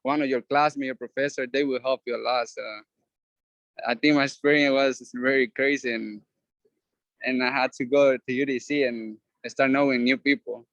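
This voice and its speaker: A young man whose first language is Spanish, a student sharing his story on a video call, speaking haltingly with many fillers and restarts. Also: mid-range voice, fairly even intonation, a bit bright, no echo, highs cut off. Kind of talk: casual sharing on a video meeting. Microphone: video call, camera off.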